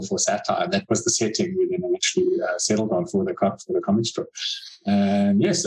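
A man's voice: sits low, darkish tone, poor audio. A middle-aged man from South Africa, a cartoonist talking casually in an interview, with many fillers and restarts. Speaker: cartoonist guest.

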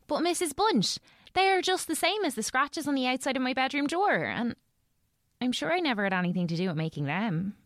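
Polite little boy, high voice, earnest, very dry sound, audio drama. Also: very animated, a little fast, a bit bright, no room sound. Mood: puzzled, earnest.

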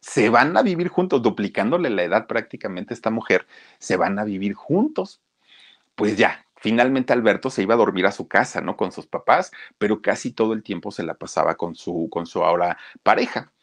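A man with a Mexican accent telling a story to his listeners, animated and speaking to them directly. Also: on the low side, fairly quick. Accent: Mexican Spanish. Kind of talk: anecdotal storytelling to an audience.

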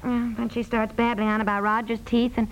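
A woman's voice: on the high side, little pitch movement, brisk, close to an everyday voice. A woman playing a fretful, harried mother with a flustered manner in a 1950s radio comedy. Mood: exasperated, flustered. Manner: flustered, exasperated. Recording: noisy, hissy 1950s radio recording.

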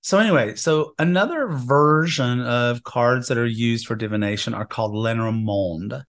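Male host, casual and wry, a little hoarse from a cold, mid-range voice. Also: medium pitch, normal speed. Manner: chatty, wry asides. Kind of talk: casual spiritual talk show. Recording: internet radio show.

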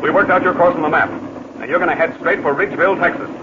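Male actor: steady American captain in a 1940s radio adventure, rather high voice, quick orders, dull noisy recording. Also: lightly acted. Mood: brisk, instructing. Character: steady, commanding adult male pilot captain. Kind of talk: 1940s radio drama acting.

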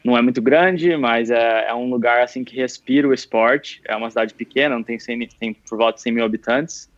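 A man's voice: medium pitch, brisk. Young Brazilian man, slightly dull lo-fi sound. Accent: Brazilian Portuguese. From Piracicaba, São Paulo state, Brazil. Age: young adult. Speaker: podcast guest, professional triathlete. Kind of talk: casual interview chat. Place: at home, recorded remotely. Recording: slightly dull, lo-fi remote recording.

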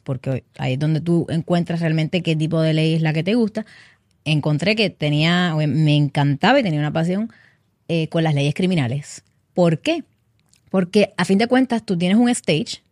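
A woman's voice: on the low side, a little mellow, dry recording, clean studio sound. A woman from Puerto Rico with a Puerto Rican Spanish accent, talking as a lawyer in an interview in a chatty way, slipping English words into her Spanish. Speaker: criminal defense lawyer. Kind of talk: interview guest, casual conversation.

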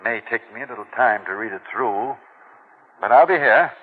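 A stubborn old rich client, old radio recording. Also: male voice, medium pitch, moderate pace, slightly rough. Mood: insistent. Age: older. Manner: blunt, commanding. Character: elderly wealthy man, stubborn and insistent. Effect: old radio broadcast recording. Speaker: wealthy client. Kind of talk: 1940s radio acting. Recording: thin, narrow-band old radio recording.

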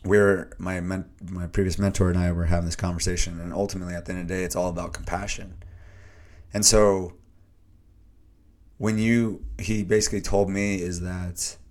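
Low, flat-voiced man, slightly hoarse. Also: normal speed. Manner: earnest, searching, with many restarts and fillers. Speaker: podcast host. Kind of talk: reflective solo podcast monologue.

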